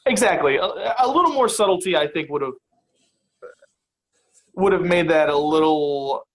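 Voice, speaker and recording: A man's voice: on the high side, expressive, measured pace, low-quality recording. A man guest on a podcast, chatting wryly about a film with lots of fillers. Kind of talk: casual film-review chat.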